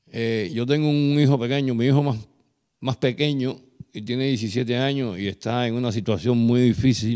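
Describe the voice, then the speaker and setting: A man talks in a dark, mellow tone at a moderate pace. His pitch varies in an ordinary way against a quiet background. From Cuba. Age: 60s. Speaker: church community member. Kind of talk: testimony. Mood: warm, grateful, earnest. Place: home room. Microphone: handheld.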